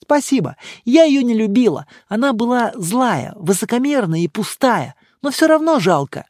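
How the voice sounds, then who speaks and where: A man's voice: very high-pitched, big pitch swings, moderate pace, darkish tone, dry recording, studio quality, pitched above the performer's own voice. A man reading the part of a reserved, lonely woman secretary in her thirties, speaking in short clipped phrases. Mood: upset. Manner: clipped, terse listing of facts. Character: reserved 36-year-old female secretary, stiff and lonely.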